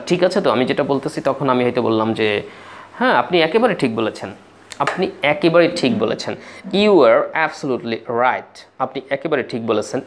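A man's voice: medium pitch, vocal fry. A man with a Bangladeshi accent teaching spoken English in a classroom style. He says each phrase again and again and spells words out letter by letter. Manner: acts out little everyday scenes.

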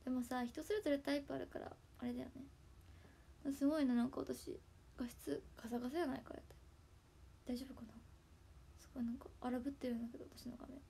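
High creaky woman with a Hakata lilt. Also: fairly even intonation, fast, pauses often. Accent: Hakata dialect. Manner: chatty, drops into soft whispery asides. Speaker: idol livestream host. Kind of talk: casual livestream chat thanking viewers for gifts. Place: at home. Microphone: tablet built-in mic.

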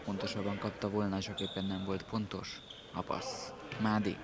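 A man's voice: lowish voice, completely flat delivery. A man giving terse play-by-play commentary on indoor football, clipping out players' names. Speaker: match commentator. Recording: loud sports-hall noise, bouncing ball.

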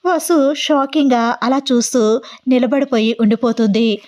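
A woman narrating a romance audio story, lively and acting out every character herself. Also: fairly high pitch, measured pace. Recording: dull lo-fi recording.

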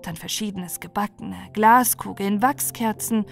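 A woman narrating a bedtime Christmas story for relaxing and falling asleep, reading softly and soothingly. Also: medium pitch, unhurried, gravelly, faint music behind.

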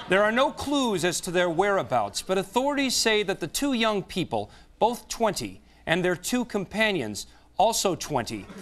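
Bright, high-voiced parody news anchor. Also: male voice. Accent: American. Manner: formal, deliberate, straight-faced. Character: earnest, solemn male TV news anchor in a parody. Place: TV news studio desk. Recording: faint noise, audience laughter.

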